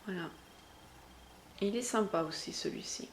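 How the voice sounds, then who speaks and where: A woman's voice: mid-range voice, measured pace, noisy background. Chatty French woman with a Berrichon accent. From Berry, France. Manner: chatty, enthusiastic, slangy. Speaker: beauty vlogger. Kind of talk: casual makeup haul.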